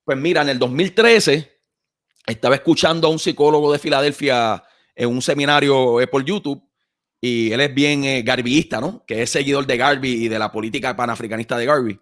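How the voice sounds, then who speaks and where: Puerto Rican man in lively, slangy chat. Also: medium pitch, brisk, no room sound, clean studio sound. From Puerto Rico. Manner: animated, repeats himself, slangy with frequent "mano". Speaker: podcast host and author. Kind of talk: casual conversation.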